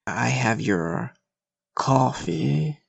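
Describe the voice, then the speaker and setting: A man playing a friendly, concerned office coworker with a breathy voice in an amateur audio drama. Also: medium pitch, animated, very slow, heavily acted. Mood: teasing. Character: friendly, concerned male office coffee runner.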